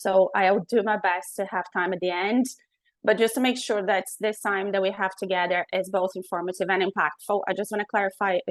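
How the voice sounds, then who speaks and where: A woman with a Portuguese accent speaks at a fairly quick pace. Her pitch is medium and her intonation fairly even. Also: dry, close sound with no echo. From Brazil. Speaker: marketing and communications presenter. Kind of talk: presentation to an audience. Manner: fast.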